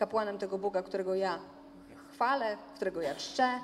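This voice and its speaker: A woman with a plain, everyday voice, fairly high in pitch, at a moderate pace with ordinary pitch variation. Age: 40s. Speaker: pastor. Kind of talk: sermon. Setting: church.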